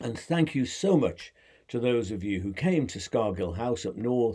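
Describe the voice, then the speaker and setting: A man with an English accent speaks at a fairly slow pace in a dark, mellow tone with ordinary pitch variation. The recording is very clean with a silent background. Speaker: spiritual podcaster. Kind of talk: casual monologue. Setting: home shed.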